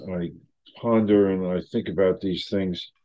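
A man in his seventies hosting an interview, speaking reflectively and haltingly with many fillers. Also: low voice, steady tone, dark tone, a little hiss or hum, poor audio. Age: 70s. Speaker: host. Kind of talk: interview conversation.

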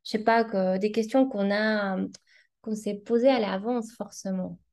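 A woman's voice: medium pitch, steady tone, normal speed, darkish tone. Woman, native Spanish speaker, language teacher, hesitant, thoughtful, casual discussion. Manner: hesitant, many fillers and restarts, thoughtful.

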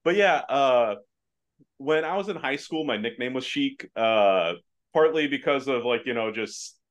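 A man's voice: medium pitch, expressive, a little slow, muffled recording. Chatty american guy, lots of ums. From Afghanistan. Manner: hesitant, many fillers and restarts. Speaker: podcast guest. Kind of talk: casual chat. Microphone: video call.

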